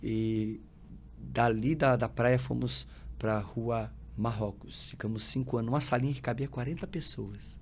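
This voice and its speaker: A man's voice: mid-range voice, a little slow, a little hiss or hum. A man, a pastor, telling his personal testimony as a podcast guest, acting out the dialogue of his story and quoting scripture like a preacher. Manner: lively storytelling, acting out dialogue, frequent filler tags; preacherly, quotes scripture with rising emphasis.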